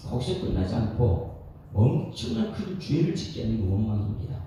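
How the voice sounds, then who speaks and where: Animated pastor preaching in an echoey hall. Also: male voice, lowish voice, normal speed. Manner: animated preaching with questions to the congregation. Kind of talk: expository sermon at a dawn prayer service. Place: church sanctuary. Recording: echoey hall, distant mic, faint noise.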